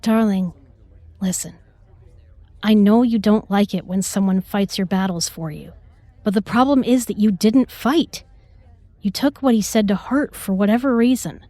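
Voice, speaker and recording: A woman's voice: mid-range voice, dark tone, no room sound, natural voice. Woman playing a confident, protective starship doctor, close and dry. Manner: assertive, pointed, composed. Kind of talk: sci-fi audio drama acting.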